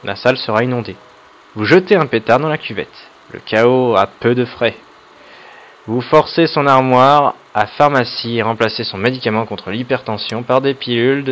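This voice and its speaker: A man's voice: medium pitch, fairly bright tone, slight background noise. A man hosting a video game let's play, reading the on-screen options aloud and adding hesitant, joking comments full of fillers. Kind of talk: casual gameplay commentary.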